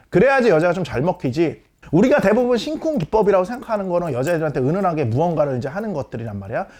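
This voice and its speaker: A man's voice: on the high side, darkish tone. A man in his thirties lecturing as a dating coach, blunt and swaggering like a big brother, constantly checking with "okay?". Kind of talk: casual lecture to young men.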